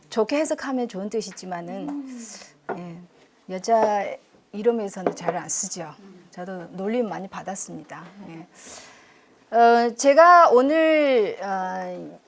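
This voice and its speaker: A woman's voice: mid-range voice, lively intonation, a little slow, slight background noise. A middle-aged woman from China with a Chinese accent in Korean, lecturing chattily and self-deprecatingly, quizzing her audience and using many fillers. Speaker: university professor giving a public lecture. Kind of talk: public history lecture. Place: lecture room.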